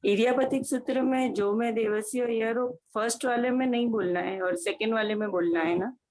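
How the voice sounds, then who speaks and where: A woman's voice: a little high, normal speed, darkish tone. A woman student on a video call, asking the teacher a short, hesitant question about a prayer. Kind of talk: question in an online class.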